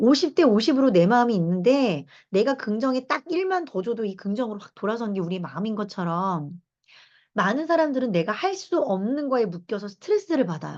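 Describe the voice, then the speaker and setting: A woman's fairly high voice with very wide pitch swings and big swings in loudness, over a quiet background. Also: fairly quick pace. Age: 40s. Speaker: lecturer. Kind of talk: lecture. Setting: room with live audience. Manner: conversational.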